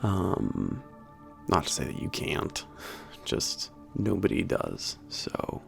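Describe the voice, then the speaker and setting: A laid-back young werewolf trainer at a spaceport, acted by a man, speaks in a deep voice full of vocal fry. He is halting and informal, a little gruff, mumbling and trailing off as in an intimate ASMR roleplay. Soft music plays behind him. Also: wildly swooping pitch, heavily acted. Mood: relaxed, nostalgic. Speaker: workplace trainer. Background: soft background music.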